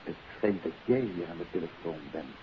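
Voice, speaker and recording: A Dutch actor playing a composed, wry gentleman detective in a 1950s radio play, on an old recording. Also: low voice, normal speed, highs cut off, slight background noise, close to an everyday voice. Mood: composed, courteous.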